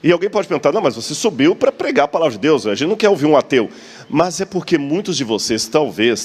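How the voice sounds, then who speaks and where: Guy preaching in a packed church, easygoing, keeps asking the crowd questions. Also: mid-range voice. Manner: conversational, rhetorical questions, jokes with the congregation. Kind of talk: sermon. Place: full church.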